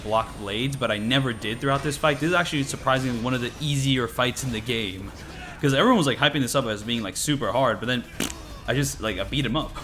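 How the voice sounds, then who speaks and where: A man's voice: medium pitch, fairly bright tone. A man giving casual, rambling gameplay commentary, a little stuffy from a cold. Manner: rambling, lots of filler words. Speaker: gaming commentator.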